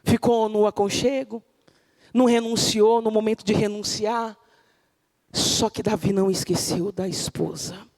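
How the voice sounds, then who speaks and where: A woman pastor preaching a sermon, dramatic and animated, shouting at peaks and dropping to near whispers, acting out the figures she quotes. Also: medium pitch, measured pace, in a large hall. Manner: acts out biblical figures in quoted voices, laughs with the congregation.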